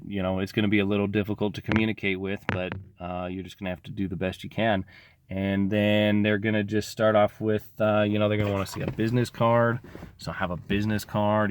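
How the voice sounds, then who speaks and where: A man's voice: fairly low pitch, a little hiss or hum. A locksmith talking casually to his viewers, rambling with lots of fillers, tired and losing his voice from getting sick. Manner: rambling, informal, frequent fillers. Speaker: locksmith sharing business advice. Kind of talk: casual talk to camera.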